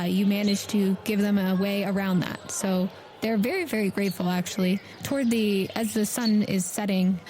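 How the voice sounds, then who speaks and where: A woman's voice: mid-range voice, darkish tone. Casual woman game master, noisy background. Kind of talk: casual tabletop game narration.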